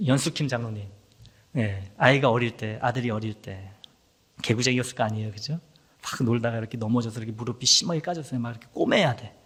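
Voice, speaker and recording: A man's voice: mid-range voice, fast, fairly bright tone, husky. A man preaching a sermon as pastor, acting out quoted voices and sometimes dropping to a whisper. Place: church sanctuary. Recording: long hall reverb.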